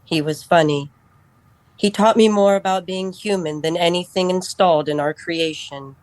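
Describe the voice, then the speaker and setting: An actress voicing a calm, literal-minded female android who served as a household steward, speaking in a measured, matter-of-fact way. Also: fairly low pitch, dry recording, natural voice, low-quality recording. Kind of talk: radio drama acting.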